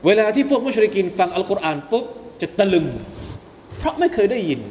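Male Islamic teacher, high lively voice, emphatic lecturing, long hall reverb. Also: a little hiss or hum. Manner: animated, rising to emphatic peaks, addresses listeners as brothers. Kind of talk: Quran commentary lecture.

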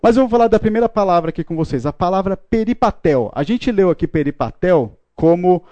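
A playful man teaches a live class, his voice mellow and a touch high. The sound is dry and close, with no room echo. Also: animated, brisk, dull audio. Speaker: Bible teacher. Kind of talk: classroom lecture.

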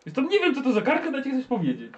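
Fast-talking, high-voiced man player. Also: wildly swooping pitch, muffled recording, slight background noise. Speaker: tabletop game player. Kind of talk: in-character roleplay chat.

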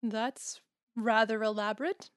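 A woman plays a caring female campus counsellor in an audio drama. Her voice sits a little high and is closely recorded without room sound. She speaks in a measured, gently probing way. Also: fairly even intonation, no room sound, clean studio sound, lightly acted. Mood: concerned. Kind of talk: audio drama acting, naturalistic dialogue.

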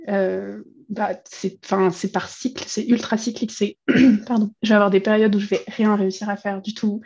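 A woman's voice: medium pitch, level tone, normal speed, a little mellow, husky. Giggly woman illustrator, dull lo-fi sound. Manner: chatty, laughs often, many fillers. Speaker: illustrator guest. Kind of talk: casual podcast interview.

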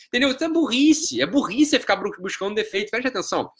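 A man's voice: high-pitched, big pitch swings, fast. A man with a Brazilian Portuguese accent giving a live-stream psychology lecture, emphatic and profane, constantly checking whether the listener follows. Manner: emphatic and profane, keeps asking if you follow.

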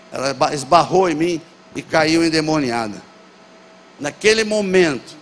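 High-voiced preacher in a reverberant hall. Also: male voice, a little hiss or hum. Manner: emphatic, repeats phrases for effect; addresses congregation directly. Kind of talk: Pentecostal sermon. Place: church hall.

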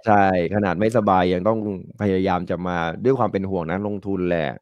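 A middle-aged market analyst with a stuffy nose from a cold talks in a low voice, brisk and steady in tone. He's a guest on a talk show, chatting casually, rambling and laughing often, captured in a dry, lo-fi recording.

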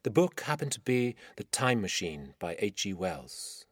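A middle-aged man narrates a literary story in an Iranian accent. His low voice swings widely in pitch, with measured, dramatic phrasing, captured in a dry, close sound. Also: sing-song, husky, no echo. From Iran. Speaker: writer reading own story.

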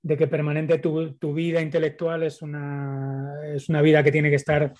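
A man's voice: fairly high pitch, monotone, normal speed, a little mellow. A man with a Spanish accent from Spain, moderating and talking casually in a seminar discussion.

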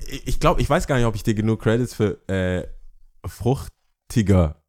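A young man chats playfully as a podcast co-host, teasing his partner. His pitch swings widely and he mixes English slang into his talk. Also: expressive, normal speed, darkish tone. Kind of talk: casual chat.

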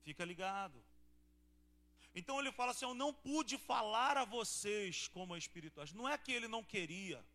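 A man's voice: high voice, lively intonation, normal speed, sharp tone. A man pastor with a Brazilian Portuguese accent, preaching a sermon to a church congregation and asking them questions. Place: church service before a congregation.

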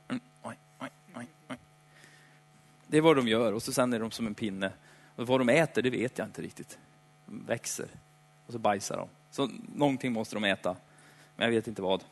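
A man preaching a sermon in a chatty, playful way, slowing down for dramatic emphasis. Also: medium pitch, vocal fry. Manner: conversational, dramatic slowdowns, playful asides. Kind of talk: lively sermon. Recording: hall reverb.

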